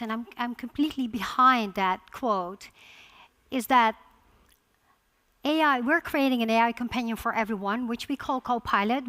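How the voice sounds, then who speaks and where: A woman's voice: a little high, fairly bright tone. A woman from the Netherlands with a Dutch accent, giving a conference presentation with frequent restarts. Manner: halting restarts, repeated words. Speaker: conference speaker.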